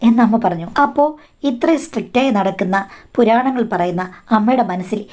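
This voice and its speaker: A woman narrating a scripted life story in a steady, measured way. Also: mid-range voice.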